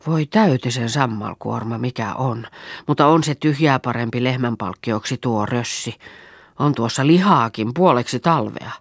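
A woman voicing a wry, sharp-tongued young farm girl in a storybook. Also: rumbling low, no room sound, clean studio sound.

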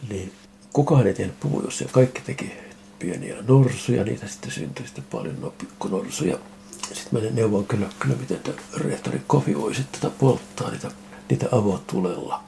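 An older man, a ceramic artist, telling lively anecdotes in a casual interview and acting out the conversations he recalls. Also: fairly low pitch, gravelly. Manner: animated anecdotes, acting out quoted exchanges. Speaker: ceramic artist interviewed about his photos.

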